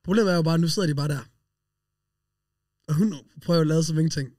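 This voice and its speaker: A man co-hosting a podcast, telling funny anecdotes in a lively, casual way and laughing often. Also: a little high, no room sound, studio quality, far from the mic. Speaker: podcast co-host. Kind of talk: casual storytelling chat.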